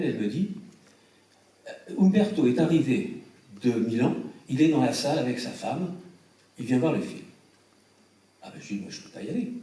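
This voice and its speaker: A film director telling lively anecdotes to a cinema audience, acting out the voices of the people he quotes. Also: mid-range voice. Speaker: film director presenting his film. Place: large cinema hall before a screening. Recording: very echoey hall, voice from far off.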